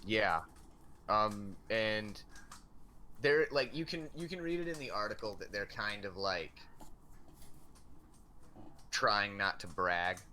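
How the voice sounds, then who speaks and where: A man's voice: fairly low pitch, takes it slowly, pauses often, sharp tone, a little hiss or hum. A man chatting as a guest on a livestream, hesitant and full of fillers. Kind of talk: casual chat.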